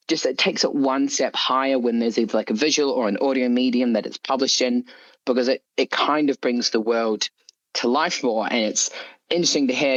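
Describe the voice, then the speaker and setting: A man's voice: mid-range voice, a bit bright, dry recording, highs cut off. A man speaking as an author being interviewed, chatting casually in a rambling, hedging way. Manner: rambling, hedging with frequent "you know" and "like". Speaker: interview guest, horror story author.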